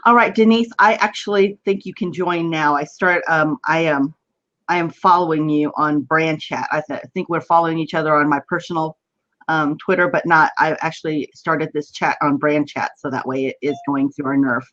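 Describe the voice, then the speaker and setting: A woman's voice: low-pitched, steady tone, normal speed, a bit bright. West texas drawl lady hosting a livestream chat, chatty n informal, kinda muffled lofi webcam sound. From West Texas, United States. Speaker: host of an online video chat. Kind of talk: casual live-stream hosting. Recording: dull lo-fi web video call.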